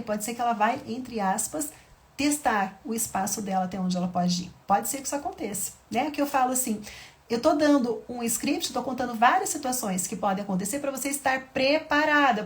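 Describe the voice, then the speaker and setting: Woman parenting teacher, higher voice. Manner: acts out gentle mother-to-child dialogues; frequent tag questions, explanatory. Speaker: parenting educator. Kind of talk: teaching lesson to mothers.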